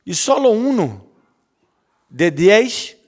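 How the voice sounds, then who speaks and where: A man delivers a sermon, sliding freely into words. His voice sits a touch high. He keeps it conversational, ironic asides and constant questioning tags aimed at the listeners. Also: sing-song, drawn-out words, darkish tone. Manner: mixes Portuguese and Spanish, ironic asides, rhetorical "não?" tags. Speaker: preacher.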